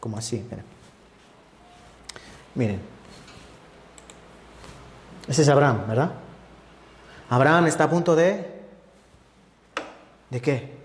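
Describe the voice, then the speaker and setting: A man's voice: mid-range voice, slow, pauses often, a little hiss or hum. A man preaching a sermon as an evangelist, asking his listeners questions at every turn. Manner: lively, asks the congregation many rhetorical questions. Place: church hall. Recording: echoey reverberant church hall.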